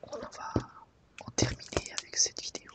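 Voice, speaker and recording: With hushed, patient whispers, an ASMR host guides viewers through the contents of a book.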